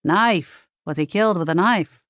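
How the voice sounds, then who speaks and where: Audiobook role: ghost of a 1940s male gumshoe, voiced by a woman. Wisecracking gangster slang, low register, dry close sound. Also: normal speed, a bit bright, no room sound, lightly acted. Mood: exasperated, impressed. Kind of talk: audiobook character dialogue.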